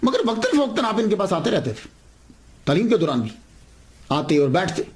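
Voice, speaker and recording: A man delivers a devotional lecture as a story. His voice sits a little high and swings widely in pitch. He repeats key phrases and poses questions that he answers himself. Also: very animated, a little mellow. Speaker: religious lecturer.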